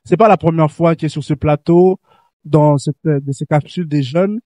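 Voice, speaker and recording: On his Christian youth talk show, the host, who grew up in Canada, speaks earnestly to young listeners, encouraging them and frequently restarting. His voice is fairly high yet dark in tone, at normal speed in a dry recording.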